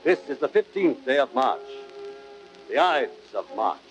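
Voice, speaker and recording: A man's voice: medium pitch, very animated, unhurried. A man giving solemn, scripted dramatic narration as the narrator of an audio play. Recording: dull old record with music behind. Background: music.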